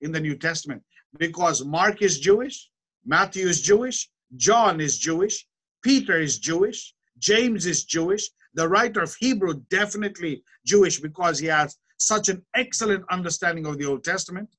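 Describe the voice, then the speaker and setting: A man delivers a Bible lesson in a high, light voice. He speaks in a measured, explanatory way, pausing to pose rhetorical questions before answering them. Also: lively intonation, fairly bright tone, rough recording. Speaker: Bible teacher. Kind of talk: Bible teaching lecture.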